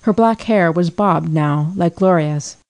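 A woman narrating a classic novel as an audiobook in a calm, even storytelling manner. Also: fairly low pitch, a little slow, noisy background. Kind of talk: scripted narration.

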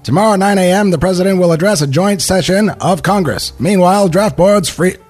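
A man voicing a 1940s male radio news announcer with a transatlantic accent and loud, formal delivery. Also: sits high, fairly quick, faint music behind, pitched above the performer's own voice. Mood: grave.

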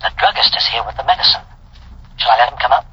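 An actor playing a deferential apartment doorman in a 1940s radio drama, with a raspy voice, on a dull old broadcast. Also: medium pitch, animated, fast talker. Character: polite apartment doorman on the house phone.

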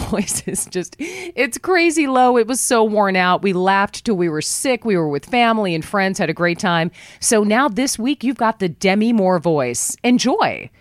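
A woman hosting a talk radio show from a studio, chatting in a folksy, upbeat way, her voice worn low after travel. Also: no echo. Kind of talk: talk radio monologue with live ad reads. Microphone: studio microphone.

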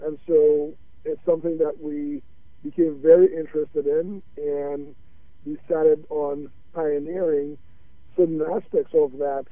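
Male guest over a tinny phone line, dry sound, halting with constant fillers. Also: a little high, little pitch movement, no echo. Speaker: guest, drone company founder.

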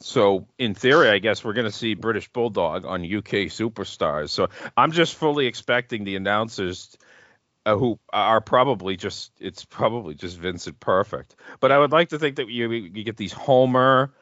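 A man's voice: fairly low pitch, animated, normal speed, a bit bright, dry recording, dull audio. A man co-hosting a podcast, rambling and joking in casual chat with restarts. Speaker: podcast co-host. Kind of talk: casual chat about wrestling.

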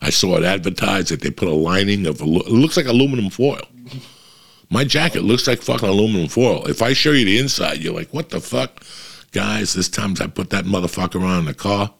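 Gravelly, foul-mouthed comic. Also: male voice, low voice, expressive, a little fast, a bit bright. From New Jersey. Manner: profane, blunt storytelling. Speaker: comedian. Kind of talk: casual rambling monologue.

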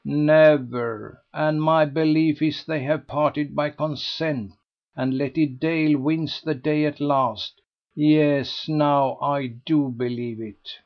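A man voicing an excitable, gossipy older society lady who gushes and pleads breathlessly. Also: a little high, slow, lo-fi sound, voice pushed up. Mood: knowing.

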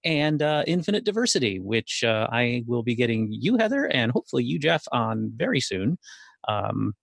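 A man with a gravelly, creaky voice speaks as a guest on a casual podcast. He talks in a measured way with many hesitations. The sound is dry and close. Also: medium pitch, very animated, dry recording. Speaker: podcast guest, network founder.

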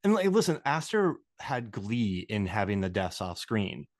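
A man co-hosting a podcast, talking about films in a relaxed conversational way and reading quotes aloud. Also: on the low side, a little slow, no room sound, clean studio sound. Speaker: podcast co-host. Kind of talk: casual film discussion.

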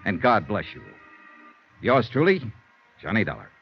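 An actor playing a hard-boiled insurance investigator, narrating tersely and steadily in a 1950s radio drama on an old dull recording. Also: male voice, lowish voice, huge pitch swings, normal speed, gravelly, faint music behind, heavily acted. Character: insurance investigator Johnny Dollar, calm narrator.

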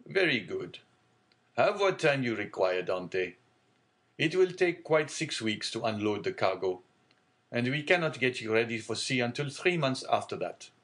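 A man reading aloud and voicing a genial, fatherly older shipowner in a hearty, booming manner. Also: very animated, normal speed, a bit bright. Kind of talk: audiobook character reading.

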